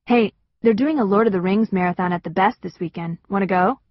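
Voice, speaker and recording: A woman's voice: mid-range voice, fairly quick, no echo, dull audio, lightly acted. A woman voicing a friendly, easygoing teenage boy with a breezy manner.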